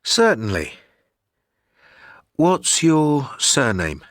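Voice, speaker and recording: A man voices a polite receptionist. His low voice moves lively up and down. He speaks slowly and in a measured way, in a dry recording. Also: dry recording, exaggerated voice.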